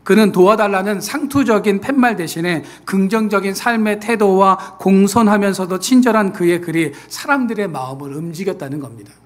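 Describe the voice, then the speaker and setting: A man preaching a sermon as pastor, who acts out quoted people in lively voices and then falls back to a soft, earnest tone. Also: high-pitched. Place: church sanctuary.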